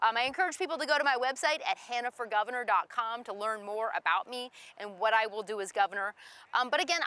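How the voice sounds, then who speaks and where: A middle-aged woman from Maine speaking earnestly as a political candidate in an interview, often pausing with "um". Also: fairly high pitch, bright, forceful tone. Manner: earnest, frequent "um" fillers. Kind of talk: recorded campaign interview.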